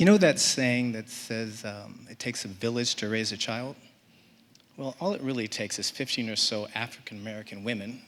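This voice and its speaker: A normal speaking voice, fairly quick, with ordinary pitch variation. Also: man. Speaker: performer reading a personal essay at a live show. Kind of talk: live personal storytelling reading. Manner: conversational, humorous, warm storytelling.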